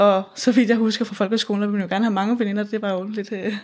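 The speaker talks very fast in a monotone, with flat intonation. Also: woman. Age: 20s. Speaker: social work student sharing experience of anxiety and PTSD. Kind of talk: personal testimony interview.

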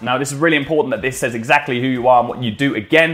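Very fast speech from a man over noticeable background noise. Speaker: YouTube business educator. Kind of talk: casual, instructional. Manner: fast talker.

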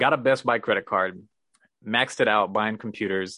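In an American accent, a man with an unremarkable speaking voice talks at a medium pitch and a fairly quick pace. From Missouri. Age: 30s. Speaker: comedian and cartoonist. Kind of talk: casual interview chat.

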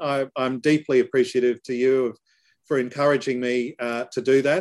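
In an Australian accent, a man speaks at a moderate pace with monotone, flat intonation. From grew up in Mussoorie, north India, then Australia. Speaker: university executive, professor of international relations. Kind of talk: interview, personal recollection. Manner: hesitant, many fillers.

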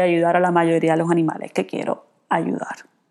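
At a fairly quick pace, a woman speaks in a fairly low pitch. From Colombia, Cartagena (Caribbean coast). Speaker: veterinarian podcast host. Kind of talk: personal storytelling monologue. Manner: animated, chatty.

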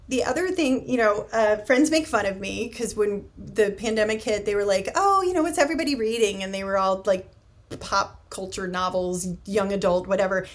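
This woman has a plain, everyday voice of medium pitch. She talks at a moderate pace with lively intonation. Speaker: HR leader. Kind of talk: interview conversation.

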